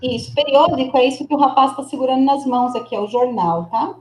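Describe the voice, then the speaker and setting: A fairly high-voiced woman teaches over a video call and sounds a little echoey in her room. She is a patient, encouraging Spanish teacher from Brazil. She models words slowly and repeats them for her student. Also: darkish tone, a little hiss or hum. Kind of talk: online class, coaching a student's pronunciation.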